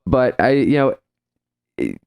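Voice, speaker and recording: A man in his thirties co-hosting a hairdressing podcast in a salon, chatting casually into a boom mic and acting out what clients say. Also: big pitch swings, takes it slowly, vocal fry, a little mellow, clean tone, no room sound. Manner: storytelling, acts out quoted clients. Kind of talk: casual chat. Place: salon studio. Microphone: studio mic on boom arm, headphones.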